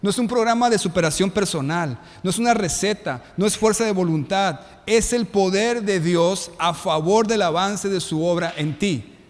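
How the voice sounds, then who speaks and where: A man's voice: sits high, moderate pace, in a large hall. A man with a Mexican Spanish accent preaching a sermon as pastor, asking the congregation questions as he goes.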